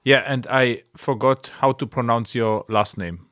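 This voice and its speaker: A man hosting a casual interview podcast, speaking in a halting way with non-native English phrasing. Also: medium pitch, a bit bright, dry recording. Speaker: podcast host.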